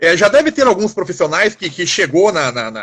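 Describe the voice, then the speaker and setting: This man's high voice swings very widely in pitch. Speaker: guest professor of dental prosthetics. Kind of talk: live-stream teaching talk. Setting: Instagram live video call. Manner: fast; fluid.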